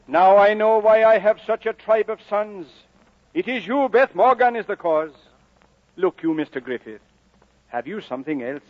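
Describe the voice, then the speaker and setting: A man's voice: sits high, expressive, normal speed. An actor playing a stern, proud Welsh father in a vintage film drama, commanding and lilting. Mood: exasperated. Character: stern, proud working-class Welsh father of many sons. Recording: dull vintage film soundtrack.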